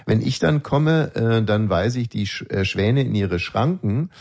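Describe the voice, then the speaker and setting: Rambling, lowish-voiced male co-host. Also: lively intonation, unhurried, vocal fry, darkish tone. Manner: rambling and ironic, with many filler sounds. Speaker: podcast and radio co-host. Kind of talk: casual banter between co-hosts.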